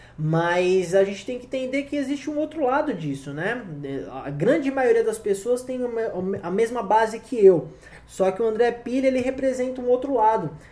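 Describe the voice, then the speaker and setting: In a São Paulo accent, a man talks at a moderate pace with an extremely high pitch and lively intonation. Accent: Brazilian Portuguese, São Paulo. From Brazil, Carapicuíba (São Paulo). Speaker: podcaster and video creator. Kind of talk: casual monologue to audience. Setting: recorded during live stream. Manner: animated.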